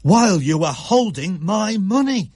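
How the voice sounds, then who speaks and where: A man's voice: high voice, animated, unhurried, a little mellow, husky, no room sound, clean studio sound, voice pushed up, heavily acted. A man voicing a frightened working-class schoolboy who blurts his words out urgently. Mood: upset. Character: scared working-class schoolboy, boy's mate.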